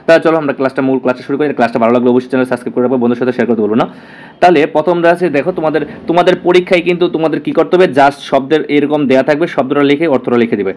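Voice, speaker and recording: A man runs an exam-prep lesson at a very rapid clip. He repeats each key word and keeps checking that his students are following. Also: a little high, a little mellow. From Bangladesh. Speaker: teacher.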